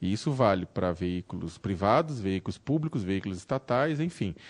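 A man with a normal speaking voice talks at a fairly quick pace. The sound is dry and close with no echo, over a quiet background. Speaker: journalist and blogger. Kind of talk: panel debate. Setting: stage with audience.

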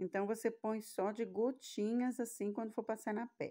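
At a fairly slow pace, a woman talks in an unremarkable speaking voice with a fairly high pitch. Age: 40s. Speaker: beauty and home remedy video creator. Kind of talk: tutorial.

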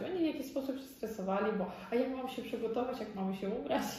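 A woman with a Ukrainian accent at a fairly quick pace, ordinary pitch variation, light background noise and audible room echo. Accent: Ukrainian-accented Polish. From Ukraine, Zhytomyr; Ukraine. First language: Ukrainian (speaking Polish). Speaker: photographer and refugee aid volunteer; interviewee. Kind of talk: interview. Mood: calm, reflective. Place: office.

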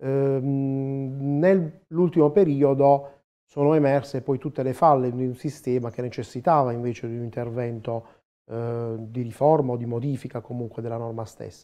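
Fairly even intonation at a moderate pace over a quiet background. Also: man. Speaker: labour law professor and lawyer. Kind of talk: TV panel discussion. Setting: studio. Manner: halting. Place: studio. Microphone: lapel.

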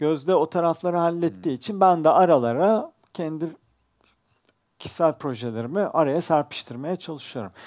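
A man speaks in a plain, everyday voice at a moderate pace, his fairly high pitch showing ordinary variation over a quiet background. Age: 40s. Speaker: director and photographer; guest. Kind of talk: panel talk. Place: hall. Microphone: headset.

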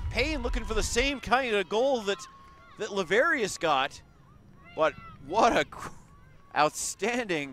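A man's high voice with very wide pitch swings, a fairly slow pace and long, frequent pauses, in a dry recording with no echo and light background noise. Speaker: soccer commentator. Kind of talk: live play-by-play soccer commentary. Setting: broadcast of a match at the stadium. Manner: knowledgeable, analytical, explaining tactics between plays.

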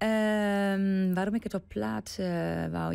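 A woman speaks against a quiet background. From Netherlands, Overijssel. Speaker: singer; interviewee. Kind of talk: TV interview. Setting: TV studio. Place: studio. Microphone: studio mic.

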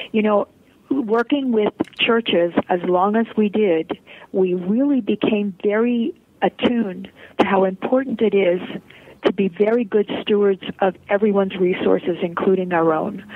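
Speaking at a moderate pace and very even loudness, a woman has a medium pitch with ordinary variation. Hers is an unremarkable speaking voice. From Philadelphia, US (born in Poland). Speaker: travel company founder. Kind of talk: interview.

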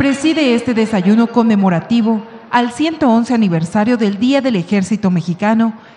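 In a room with audible echo, a woman speaks at a moderate pace with ordinary pitch variation and very even loudness. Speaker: ceremony announcer. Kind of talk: formal ceremonial announcement. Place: hall.

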